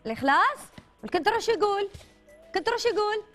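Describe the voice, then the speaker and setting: Kids' show hostess, female, Gulf Arabic accent, very animated, high voice, repeats short prompts. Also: rapid-fire, faint music behind. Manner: prompts children with repeated short questions and phrases. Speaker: children's TV show host. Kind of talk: children's quiz show presenting. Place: colourful indoor TV studio children's set.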